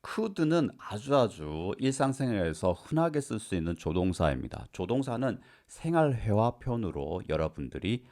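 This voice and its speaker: Lively low-voiced male English teacher. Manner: lively, slows down to model English example sentences. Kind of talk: grammar lesson.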